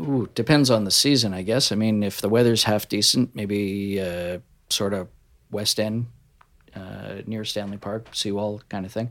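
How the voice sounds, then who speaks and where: A man with a Canadian accent and an ordinary speaking voice, fairly low in pitch, at a moderate pace with fairly even intonation, on a very clean recording with a silent background. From Vancouver, Canada. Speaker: financial advisor. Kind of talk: casual interview chat, explaining.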